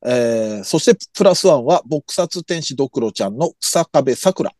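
Animated man reading listener mail. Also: medium pitch, moderate pace, dry recording, studio quality. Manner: lively, reads messages aloud with jokey asides. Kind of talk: casual chat.

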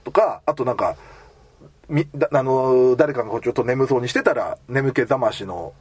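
A man's voice: medium pitch, brisk, husky, no echo. A man hosting a casual anime chat, telling stories and acting out the lines of the people in them. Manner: animated storyteller acting out quoted lines. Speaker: podcast host.

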